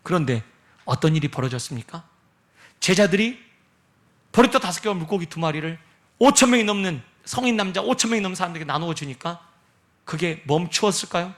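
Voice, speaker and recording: A man's voice: high-pitched, animated, a little fast, long pauses, a bit bright. A man preaching a sermon as a pastor, acting out prayers and the words of Jesus with dramatic swings, sometimes dropping to a near whisper.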